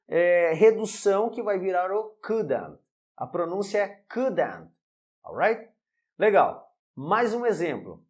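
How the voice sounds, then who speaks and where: A man teaching an online English lesson, repeating example sentences slowly and checking in with "alright?". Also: high-pitched, darkish tone.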